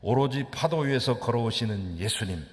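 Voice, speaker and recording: A man's voice: lively intonation, normal speed. A man preaching a sermon as pastor, telling the story dramatically with sudden rises and drops in his voice. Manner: dramatic storytelling with sweeping pitch leaps. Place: church sanctuary. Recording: long church reverb.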